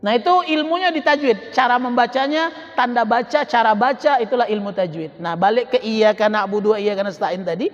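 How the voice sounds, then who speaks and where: A man giving a Quran study lecture as a religious teacher, slowly drawing out recited Arabic phrases and repeating his explanations. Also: very high voice. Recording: echoey hall, dull lo-fi sound.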